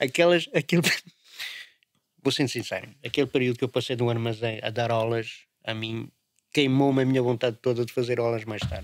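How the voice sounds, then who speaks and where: Speech moves at a fairly quick pace with ordinary pitch variation, broken up by long, frequent pauses. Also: man, medium pitch for a man. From northern Portugal. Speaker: circus artist and rigger. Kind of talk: podcast interview answer. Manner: casual, chatty.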